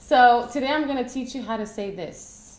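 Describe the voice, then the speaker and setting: There is audible room echo as a woman speaks. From Brazil. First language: Portuguese. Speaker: makeup tutorial vlogger. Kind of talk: tutorial.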